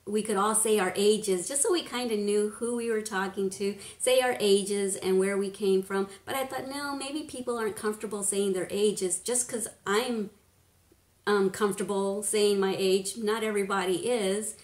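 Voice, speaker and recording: A woman's voice: medium pitch, steady tone, moderate pace. Woman in her 50s, live stream from the living room, webcam, rambly and giggly, voice rings around the room. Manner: chatty, rambling, laughs often, drops to a hush at times. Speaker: beauty vlogger, live stream host. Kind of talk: casual live-stream chat reading comments. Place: living room at home, indoors. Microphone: webcam at desk distance. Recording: echoey room.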